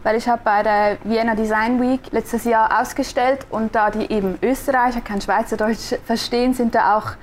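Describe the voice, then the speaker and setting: A young woman from Switzerland speaks Standard German with a clear Swiss German accent, answering an interviewer in a reflective, searching way with frequent restarts. Her voice sits a little high, and a faint hiss of background noise runs under the recording. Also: fairly even intonation, moderate pace, few pauses. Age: young adult. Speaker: guest, designer and podcaster.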